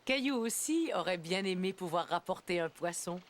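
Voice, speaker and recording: A woman playing a gentle narrator, reading scripted narration for a French children's cartoon. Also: fairly low pitch, lively intonation, moderate pace, a little hiss or hum, natural voice. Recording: music under the voice.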